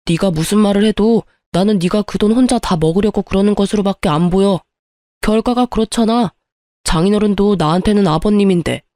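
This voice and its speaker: A woman's voice: medium pitch, dark tone, no room sound, studio quality, natural voice. A woman voicing a bitter, greedy ex-husband in a story reading, with an accusing, defensive way of talking. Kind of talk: storybook narration with acted dialogue.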